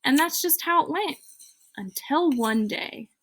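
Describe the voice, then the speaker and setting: A woman's voice: high voice, animated, a little slow, a bit bright, slight background noise, poor audio. A woman teacher reading a children's picture book aloud, expressively, drawing out key phrases for emphasis. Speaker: elementary school teacher.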